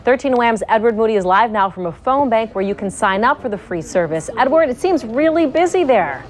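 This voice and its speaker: Woman anchor reading the news recap, crisp and scripted. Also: on the high side, animated, fairly quick.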